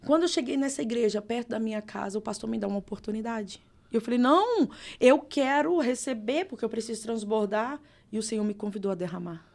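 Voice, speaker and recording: A woman pastor with a Brazilian accent, telling her testimony in a podcast interview with expressive, dramatic storytelling. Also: fairly high pitch, quick pace, gravelly, hardly any pauses. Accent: Brazilian Portuguese. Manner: expressive, dramatic storytelling with vivid reenacted dialogue. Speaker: pastor, guest.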